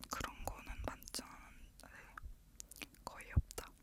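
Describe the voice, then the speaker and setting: Whispering at a very slow pace. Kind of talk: ASMR whispering, personality test taken aloud. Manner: whispered, soft, slow.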